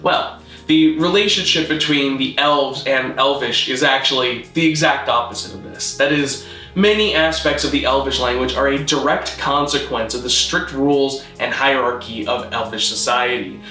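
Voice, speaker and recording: Bright-voiced deadpan man lecturing, roomy sound. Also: mid-range voice, normal speed, faint music behind. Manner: deadpan, didactic. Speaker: host, video essayist on constructed languages. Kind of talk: scripted narration, mock-academic lecture.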